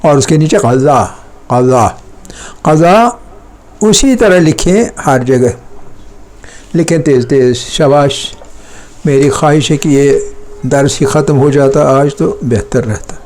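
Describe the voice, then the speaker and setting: A man teaching a classroom lesson at a slow, unhurried pace, drilling each word over and over. His voice sits somewhat high for a man. He explains patiently and breaks off to ask his pupils whether they follow. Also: a little mellow. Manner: checks pupils often with short questions. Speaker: Persian teacher.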